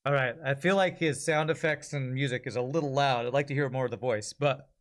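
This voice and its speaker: A man hosts a stream in an informal, conversational style. He thinks aloud as he talks to viewers. His voice sits at a medium pitch. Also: a little fast, loud music behind the voice. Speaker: livestream host. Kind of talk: casual chat to stream viewers.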